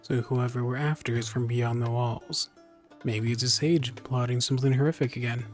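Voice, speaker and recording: A man livestreaming a game in an ordinary mid-pitched voice. He chats informally and muses out loud as he plays, with faint game music in the background. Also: fairly even intonation, normal speed. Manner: informal, chatty, muses aloud. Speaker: game streamer. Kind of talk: casual livestream chat over gameplay.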